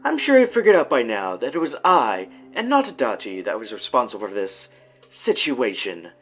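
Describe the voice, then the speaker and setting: A man's voice: medium pitch, wildly swooping pitch, normal speed, fairly bright tone, soft background music, rough recording. A man playing a suave psychopathic villain in an audio drama, courteous and mock-polite, with a faint German accent. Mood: gloating, playful. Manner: courtly, mock-polite, teasing tag questions. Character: suave, theatrical psychopathic villain, serenely pleasant kidnapper.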